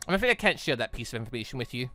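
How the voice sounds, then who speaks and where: A man plays a composed older male mentor from a visual novel, formal and measured. He sits lower in pitch and softer, politely keeping things back, in a dry close sound. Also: very animated, no echo. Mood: dryly amused. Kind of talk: reading visual novel dialogue aloud.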